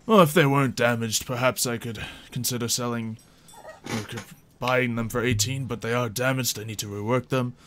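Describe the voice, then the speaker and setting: A man's voice: medium pitch, steady tone, normal speed, fairly bright tone, slight background noise, natural voice. Man playing a shrewd, polite blacksmith merchant. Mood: measured, bargaining. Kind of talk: tabletop roleplay improvisation.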